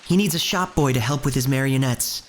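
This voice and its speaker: An actor playing an earnest, uneasy young shop boy, narrating his own story in a measured, literary way. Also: medium pitch, a little hiss or hum, close to an everyday voice. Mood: weary, plain. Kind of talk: first-person scripted narration in audio drama.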